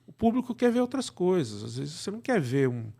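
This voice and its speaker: A middle-aged man with a Brazilian accent and a slightly high voice talks as a guest in a relaxed interview. He explains his work conversationally and often slips into imagined remarks to make a point. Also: a little fast, creaky. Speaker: guest, director and cultural producer.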